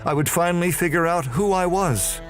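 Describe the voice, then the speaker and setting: An actor playing a tormented, damned murderer, delivering a brooding first-person horror audio drama monologue. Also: male voice, high voice, normal speed, close to an everyday voice. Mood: cold, brooding. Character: damned male murderer prisoner, tormented, confessing in hell. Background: music.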